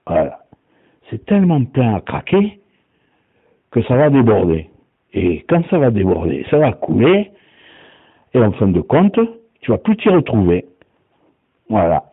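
A self-taught voice-over man giving a casual voice demo in a hesitant way, with lots of pauses. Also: mid-range voice, huge pitch swings, husky. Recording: tinny phone-like sound.

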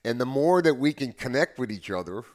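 An American man in his seventies talking casually and earnestly as a podcast guest, often halting and repeating his words as he goes. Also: mid-range voice, expressive. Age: 70s. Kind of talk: casual conversation.

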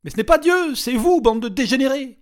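A man's voice: very high-pitched, expressive, brisk, voice pushed up. A man voicing a desperate, exhausted woman who sobs and screams in pleading rage. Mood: screaming despair. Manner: shrieking, tearful pleading. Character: desperate suicidal woman, worn out, sobbing.

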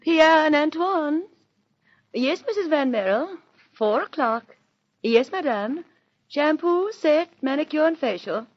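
A prim salon receptionist. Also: female voice, high voice, lively intonation, slow. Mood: formal. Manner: crisp, formal, deferential. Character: polite female beauty salon receptionist. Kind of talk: 1940s radio acting. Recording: dull old radio recording.

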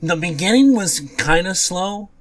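A man co-hosting a podcast in casual movie chat, often pausing and correcting himself as he goes. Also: high voice, expressive. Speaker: podcast co-host.

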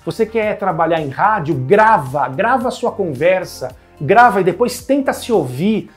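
A man with a Brazilian Portuguese accent giving direct, encouraging tips on speaking as a media columnist; his voice is not deep. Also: expressive, moderate pace, soft background music. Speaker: media columnist and communication coach. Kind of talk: instructional talk to camera.

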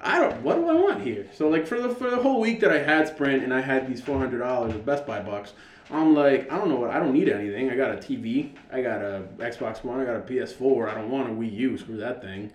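An American man with a loud, carrying voice co-hosting a podcast, telling stories casually, swearing freely and acting out what people said. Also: mid-range voice, a little fast. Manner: animated, profane, acts out reported dialogue. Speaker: podcast co-host. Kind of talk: casual storytelling banter. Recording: echoey room.

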